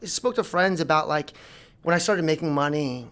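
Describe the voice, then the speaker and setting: A man in his forties from South Florida, a plastic surgeon talking casually as a podcast guest, animated and rambling with many restarts. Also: fairly high pitch, normal speed. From South Florida, United States. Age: 40s. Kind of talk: casual interview talk. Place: podcast studio.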